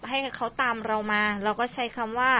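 A woman's voice: fairly high pitch, little pitch movement, fairly quick, slight background noise. A young woman hosting a language lesson, chatty and asking her guest lots of prompting questions, on a dull lo-fi recording. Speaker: host. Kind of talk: radio-style lesson chat.

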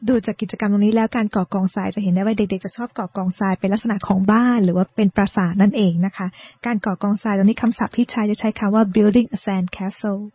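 A woman's voice: medium pitch, fairly even intonation, husky, dry recording, lo-fi sound. A woman co-hosting a radio English lesson, patiently explaining vocabulary and pronunciation step by step. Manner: patient, explains words slowly and spells out pronunciation. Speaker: co-host teaching English vocabulary.

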